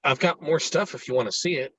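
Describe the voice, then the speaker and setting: A man's voice: a little high, a little fast, bright, forceful tone, slightly rough, no echo. A man reading an earnest, awkward, bookish new-kid boy in a screenplay table read, with hesitant, informative delivery. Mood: guarded, earnest.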